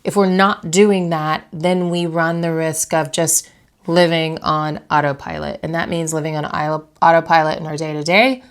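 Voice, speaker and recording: A young adult woman hosting a vlog from her bedroom, speaking slightly nasally because of a head cold, in a calm, reflective coaching tone that asks the viewer direct questions. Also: sits low, moderate pace, clean tone. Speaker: vlog host and interior designer. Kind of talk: motivational talk to camera.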